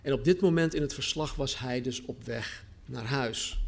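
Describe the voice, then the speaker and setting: Male preacher, slightly high voice, earnest sermon delivery with deliberate repetitions. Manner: earnest, repeats phrases for emphasis, slows on key words. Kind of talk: sermon with scripture reading.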